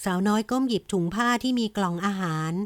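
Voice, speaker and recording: A woman narrating a romance audiobook in an even, gentle storytelling manner. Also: medium pitch, quick pace, smooth, no echo. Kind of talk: scripted romance novel narration.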